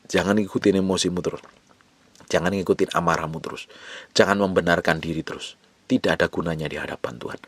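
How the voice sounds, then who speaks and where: A male pastor preaching a sermon with urgent exhortation, repeating short phrases and moving between forceful rises and hushed low phrases. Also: husky, no echo.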